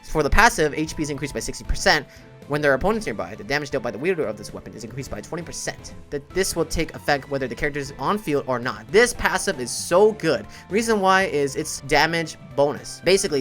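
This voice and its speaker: A man's voice: mid-range voice, a bit bright. A man giving casual, opinionated game commentary in an informal way, thinking aloud as he goes. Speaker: gaming content creator and streamer. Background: background music.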